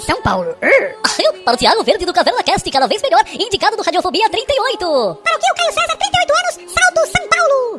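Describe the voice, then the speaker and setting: Chipmunk voice like fast-forwarded tape, bouncy, cheeky shout-outs, bit of music behind. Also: male voice, very high-pitched, voice pushed up, exaggerated voice. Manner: rattling off listener shout-outs with jokey asides. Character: squeaky little male chipmunk doing impressions. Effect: sped-up chipmunk voice, like fast-forwarded tape. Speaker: podcast host.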